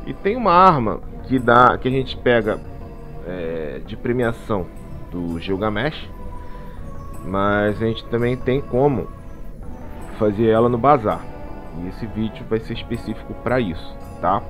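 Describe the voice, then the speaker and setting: A man's voice: lowish voice, animated, measured pace, a bit bright, faint music behind. A man with a Brazilian Portuguese accent giving a casual game walkthrough, chatty and tagging "tá?" onto nearly every phrase. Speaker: gaming channel host. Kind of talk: casual gameplay walkthrough commentary. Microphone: voice-over commentary over game capture.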